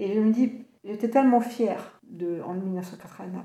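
Very slowly, a woman talks in a Polish accent. Audible room echo and noticeable background noise surround her voice. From Poland, German border area. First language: Polish (speaking French). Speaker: translator. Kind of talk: interview. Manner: halting, many repetitions.

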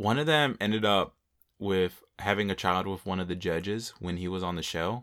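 The recording is very clean, and the background is silent. An ordinary speaking voice goes at a moderate pace, its pitch varying in an ordinary way. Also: man, fairly low pitch for a man. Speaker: podcast co-host and college student. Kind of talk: casual chat.

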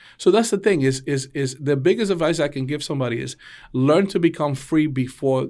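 On a very clean recording with a silent background, a man with a fairly high pitch and a normal speaking voice talks at a fairly quick pace. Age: 40s. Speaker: real estate agent and public speaker. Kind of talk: casual interview.

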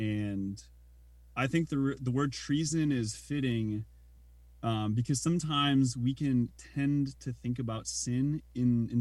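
Here a man with an ordinary speaking voice talks fairly slowly at a medium pitch. His pitch varies in an ordinary way. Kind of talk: casual chat. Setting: home closet.

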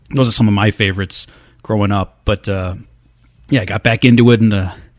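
A man with an American accent and an ordinary speaking voice talks at a fairly quick pace and fairly low pitch with fairly even intonation, the sound dry and close with no echo on a very clean recording with a silent background. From Chicago area, US Midwest. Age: 40s. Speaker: podcast host. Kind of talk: solo casual podcast monologue.

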